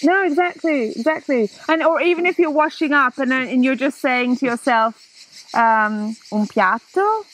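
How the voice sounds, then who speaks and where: A woman in her thirties hosting a casual chat outdoors, animated and quick to laugh. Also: high-pitched, rough recording. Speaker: host. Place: outdoors in a garden, seated in a hammock.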